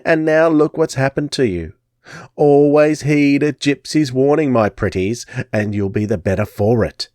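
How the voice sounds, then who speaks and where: A man's voice: mid-range voice, unhurried, a little mellow, no echo, clean studio sound, pitched above the performer's own voice, lightly acted. A man voicing a stooped old gypsy crone who cackles and croons menacingly. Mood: gloating.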